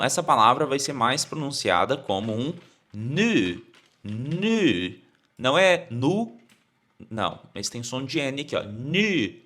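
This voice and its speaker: A man from Brazil teaching English in Portuguese, saying words slowly and having learners repeat them, with frequent "ok?" check-ins. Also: on the high side, pushed and bright. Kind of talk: online language lesson.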